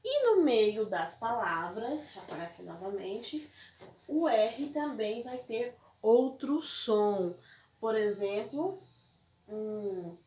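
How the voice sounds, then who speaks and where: Brazilian woman, primary teacher, slow patient delivery, echoey room. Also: on the high side, very animated, warm tone. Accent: Brazilian Portuguese. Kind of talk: recorded classroom lesson.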